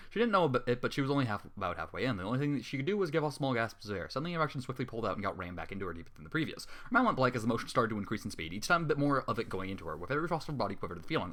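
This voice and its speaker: A man reading a story aloud and constantly interrupting himself with sarcastic, exasperated remarks. His pitch swings widely as he reads and rants, with a fair amount of swearing. He sits in the middle of the usual male pitch range. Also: a bit bright. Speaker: story reader. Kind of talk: dramatic reading with angry commentary.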